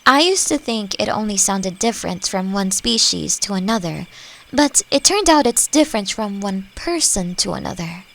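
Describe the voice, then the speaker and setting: A woman playing a friendly, playfully teasing elf who teaches magic, speaking gently and reflectively in a roleplay audio drama. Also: medium pitch, lively intonation, normal speed, gravelly. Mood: thoughtful, gentle. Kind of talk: scripted roleplay audio drama addressed to the listener.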